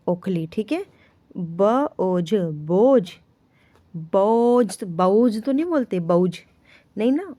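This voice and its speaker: A woman teaching beginners to read Hindi, sounding out each syllable slowly and checking with the learners as she goes. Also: mid-range voice, warm tone, dry recording. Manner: drawn-out syllable-by-syllable spelling, frequent "ठीक है" checks; teasing corrections of wrong pronunciations. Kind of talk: slow, patient beginner lesson, sounding out letters.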